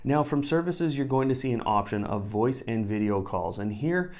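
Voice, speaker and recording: This tech tutorial is led by a man talking at normal speed in a medium-pitched, animated, somewhat mellow voice. He explains things step by step in a chatty manner, restating instructions as he goes, from a desk in a small room indoors.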